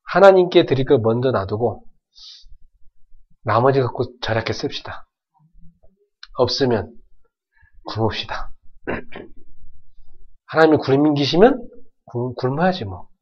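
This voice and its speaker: A man's voice: mid-range voice, animated, takes it slowly, pauses often, husky, dull audio. A man preaching a sermon as pastor, earnest, acting out prayers and building to fervent exhortation. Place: church sanctuary.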